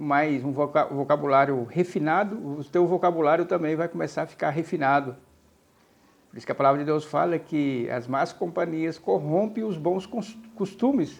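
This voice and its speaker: A man with a São Paulo accent talks at a moderate pace in a fairly high pitch, with ordinary pitch variation and big swings in loudness. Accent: São Paulo accent, noticeable in Ceará. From Southeast Brazil, São Paulo. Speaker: evangelical preacher. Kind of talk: sermon-style social media talk. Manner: repetitive, halting with self-repeats.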